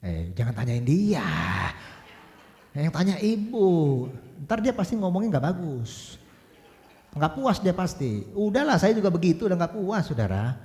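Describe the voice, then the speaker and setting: Lively, teasing preacher man in an echoing hall. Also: high-pitched, moderate pace. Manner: playful, teasing, slangy, often laughing. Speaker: pastor. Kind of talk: lively, joking sermon with congregation banter. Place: large church hall. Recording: church hall with long reverb.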